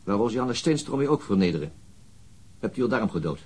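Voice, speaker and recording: An actor playing a persistent, controlled police interrogator in a radio crime drama, formal and probing, with a husky voice. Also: male voice, lowish voice, big pitch swings, a little fast, a little mellow.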